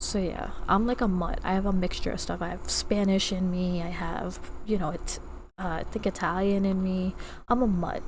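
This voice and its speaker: With audible room echo, a woman speaks somewhat breathily at a moderate pace, her medium pitch following a fairly even intonation. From Trinidad. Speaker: live streamer. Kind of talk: casual chat. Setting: live stream.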